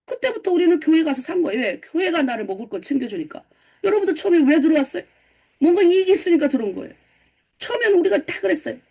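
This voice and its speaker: High-voiced North Korean woman pastor preaching. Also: quick pace, creaky. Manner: lively, asks the congregation questions and answers them. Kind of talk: early-morning sermon lecture.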